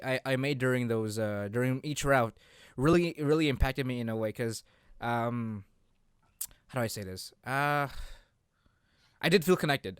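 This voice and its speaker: Halting young man, smooth clean voice. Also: medium pitch, dry recording, studio quality. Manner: halting, rambling, repeats words. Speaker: podcast co-host. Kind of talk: casual unscripted chat.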